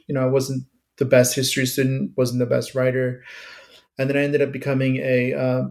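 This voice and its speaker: A man's voice: mid-range voice, darkish tone. A man in his thirties, a native Persian speaker from Iran, answering interview questions in a thoughtful, casual way with many fillers and restarts. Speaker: author being interviewed.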